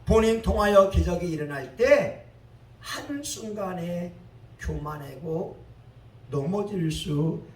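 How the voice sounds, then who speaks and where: A male pastor delivering a sermon, building up to loud, dramatic exclamations. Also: high-pitched, lively intonation, slow. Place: church sanctuary. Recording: echoey church hall, mic at a distance, faint ambient noise.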